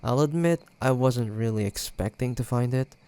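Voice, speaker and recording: A man acting a playful, teasing young ex-boyfriend in an intimate roleplay audio drama, talking casually with hesitant pauses and a creaky edge. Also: mid-range voice, mellow, lightly acted. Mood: wry amusement.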